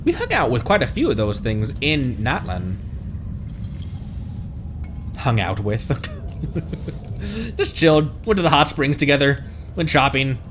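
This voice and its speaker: A man's voice: medium pitch, huge pitch swings, a little slow, long pauses, music in the background. A man doing casual, playful gameplay livestream commentary, goofy, sweary and given to silly little noises. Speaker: streamer playing a video game. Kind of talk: casual gameplay livestream commentary, reading game text aloud.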